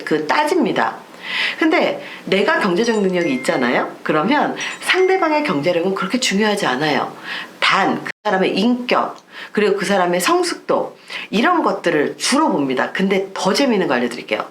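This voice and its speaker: Woman, psychology lecturer, animated pitch, explanatory, faint background hiss. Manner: explanatory, emphatic, asks rhetorical questions. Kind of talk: recorded lecture to camera.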